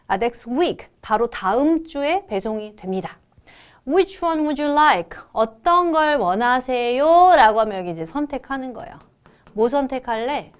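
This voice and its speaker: A woman giving an exam prep lecture as an English teacher, reading English lines slowly, then translating and explaining in a chatty way with rhetorical questions. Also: fairly high pitch, smooth.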